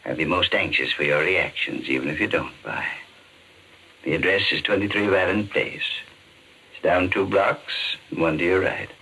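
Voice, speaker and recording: An actor playing a courteous, sinister pawnshop owner who speaks formally and deliberately in old-time radio horror style. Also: male voice, low voice, sharp tone, breathy edge, heavily acted. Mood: suave, courteous. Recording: hissy, noisy old-time radio recording.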